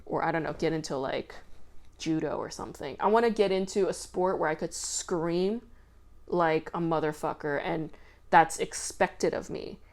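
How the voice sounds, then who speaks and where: Loud, chatty woman with a lowish voice. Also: normal speed. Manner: chatty, filler-heavy with frequent "like" and swearing. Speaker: podcast host. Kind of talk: casual commentary monologue.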